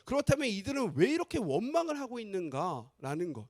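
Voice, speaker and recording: A man's voice: sits high, big pitch swings, brisk, darkish tone. A male pastor preaching a sermon, who keeps the congregation involved by asking them frequent questions.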